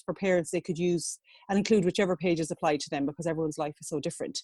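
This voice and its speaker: A woman's fairly low, dark, mellow voice with an Irish accent, very fast and fairly even in intonation, in a dry, close sound with no echo and a quiet background. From Ireland. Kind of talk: podcast interview. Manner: conversational, with fillers and restarts.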